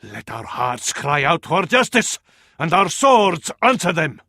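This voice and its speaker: Sternly counselling his sultan, a fervent Arab military advisor from a strategy game delivers theatrical game voice acting in a high, bright, forceful male voice with an Arabic accent. He is very animated and unhurried, his exaggerated, ornate lines packed with proverbs. The sound is very dry and close, without any echo.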